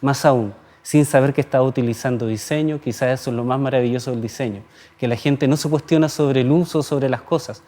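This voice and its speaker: A Chilean designer in his forties giving a reflective personal talk, speaking in a measured way and stacking up lists of phrases. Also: mid-range voice, warm tone. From southern Chile.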